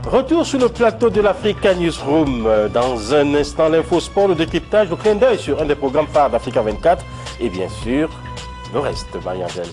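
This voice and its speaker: A man anchoring a TV news show, announcing segments with animated intonation. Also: a little high, normal speed, soft background music. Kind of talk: TV news presenting.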